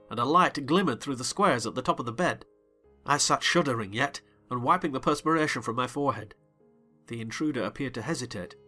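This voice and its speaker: A man reading a novel aloud as a dramatized audiobook, theatrical and quick to rise into excited shouts. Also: medium pitch. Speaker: narrator.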